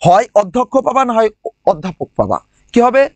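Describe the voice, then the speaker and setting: In his live online grammar class, a young man from Bangladesh calls students by name, repeats each question and answer, and draws example words out slowly. His voice is very high with big pitch swings, and the recording has no echo.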